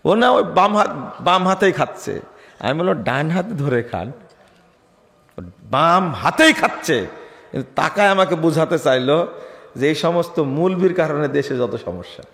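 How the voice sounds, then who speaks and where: Middle-aged bangladeshi preacher yelling at the crowd, raspy-gravelly, big echoey loudspeaker sound. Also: male voice, on the high side, animated, normal speed, long pauses. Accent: Bangladeshi Bengali. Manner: fiery, scolding, rhetorical questions to the audience. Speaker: Islamic preacher. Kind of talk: outdoor religious sermon to a crowd. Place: large open-air gathering. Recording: echoey PA sound with long reverb.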